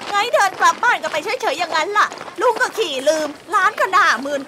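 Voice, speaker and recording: A woman playing a bossy, teasing market shopkeeper in a children's radio drama. She chats and scolds in a nosy, sharp-tongued way. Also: very high voice, expressive, a little fast, very noisy. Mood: exasperated. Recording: music playing underneath.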